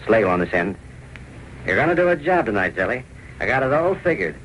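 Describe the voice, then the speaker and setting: An actor playing a crooked male racketeer boss in a 1930s radio drama, gruff and full of gangster slang. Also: medium pitch, very animated, a little fast, fairly bright tone, rough recording. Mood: menacing. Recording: faintly hissy old radio transcription.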